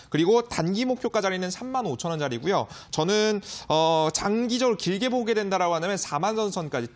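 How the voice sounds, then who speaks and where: A man lectures on stocks as a broadcast guest, his voice riding fairly high and swinging widely in pitch. He hammers his points emphatically and fills the gaps with little hesitation sounds. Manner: animated, emphatic, frequent fillers. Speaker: stock market expert guest.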